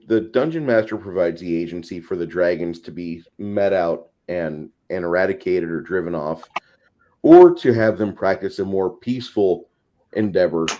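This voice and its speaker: A man's voice: deep voice, warm tone, slight background noise. A man in a casual panel discussion, explaining at length in wordy, slightly formal phrasing. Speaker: tabletop gaming discussion panelist.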